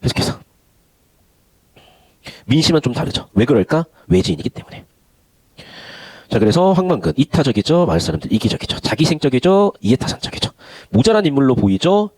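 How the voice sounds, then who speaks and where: A man's voice: mid-range voice, big pitch swings, brisk, long pauses, darkish tone, no room sound. A man teaching Korean literature in an online lecture. He talks in a chatty way and moves between polite and casual speech. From Gyeongsang region of Korea.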